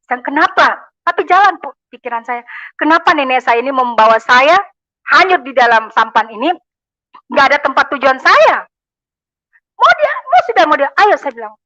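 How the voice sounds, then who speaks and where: A woman's voice: high-pitched, animated, normal speed, sharp tone, dry recording. A woman from gives a fervent church testimony, addressing listeners as brothers and sisters. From Makassar, Indonesia. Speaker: testimony speaker. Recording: dull, lo-fi, dry.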